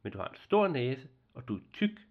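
A man voicing a curious, blunt little girl in a storybook reading, raising his voice to sound high and eager. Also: phone-quality sound, natural voice. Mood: excited. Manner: excited and outspoken.

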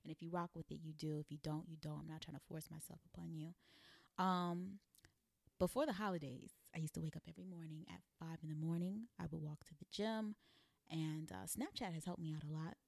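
A woman's voice: deep voice, a little fast, vocal fry, no echo, clean studio sound. A woman in her twenties, from the American South, talking candidly as a guest in a casual chat, with plenty of "like" fillers. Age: 20s. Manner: relaxed, candid, lots of "like" fillers. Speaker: guest blogger and content creator.

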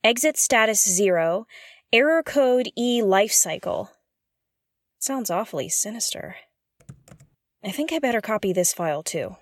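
A woman's voice: mid-range voice, lively intonation, unhurried, pauses often, no echo. A woman playing a curious, jittery explorer alone on a derelict spaceship, thinking aloud in an audio drama in a hesitant, exclamatory way. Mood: intent, puzzled. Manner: hesitant, exclamatory, muttering to herself.

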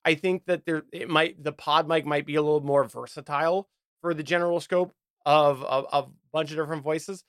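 A man's voice: fairly high pitch, steady tone, brisk, a bit bright, no echo, studio quality. A man co-hosting a podcast, chatting casually and explaining things in a rambling way. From Canada. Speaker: podcast co-host. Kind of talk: casual chat about audio gear.

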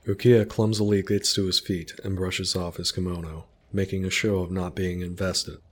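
A man narrating a story in a calm, descriptive way. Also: sits low, normal speed, slight background noise.

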